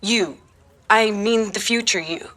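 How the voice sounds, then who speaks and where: A woman's voice: mid-range voice, slow pace, fairly bright tone, a little hiss or hum. A woman voice actor playing a girl's confident, urgent future self in a fiction podcast. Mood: urgent, assured.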